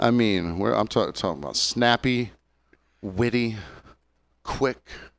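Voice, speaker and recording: An ordinary speaking voice belongs to this man, pitched in the medium range. He talks at a fairly slow pace with ordinary pitch variation. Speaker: podcast host. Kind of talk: casual podcast talk.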